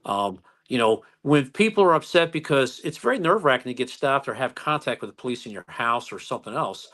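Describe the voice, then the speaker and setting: A man who is a police officer, telling stories calmly in a casual interview, with many fillers and restarts. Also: mid-range voice, fairly quick.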